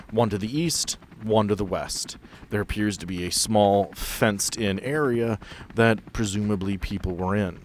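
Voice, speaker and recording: Low-voiced man narrating a tabletop game. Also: a little hiss or hum. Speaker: game master.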